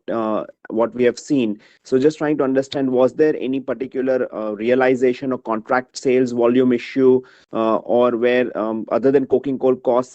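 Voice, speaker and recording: Male analyst, dark relaxed tone, dry lo-fi call sound, hesitant and roundabout questioning. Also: medium pitch, no room sound. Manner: hesitant, circling phrasing. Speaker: financial analyst asking questions. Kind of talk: unscripted question on an earnings call. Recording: dull, dry conference call audio.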